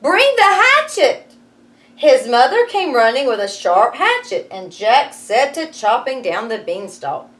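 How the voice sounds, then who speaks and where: A woman's voice: on the high side, big pitch swings, measured pace, hardly any pauses. A woman, a teacher reading a story aloud expressively and adding wry explanatory asides. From United States. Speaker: schoolteacher reading aloud to students.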